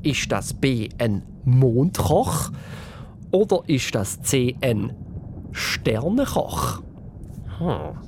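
A quiz host with a Swiss German accent runs a children's radio quiz. The voice is lively and swoops widely in pitch while staying playful and encouraging. Faint noise sits under it. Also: drawn-out words, pauses often.

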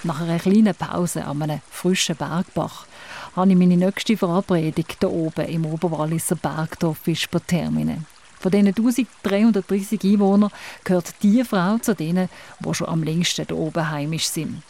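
Female Swiss German radio host, mellow low voice, probing interviewer. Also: moderate pace. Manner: probing, asks layered questions.

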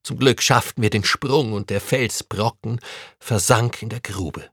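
A man reading a first-person adventure story aloud, with an animated, expressive delivery. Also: on the low side, a little slow, breathy edge, no room sound, studio quality. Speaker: story reader.

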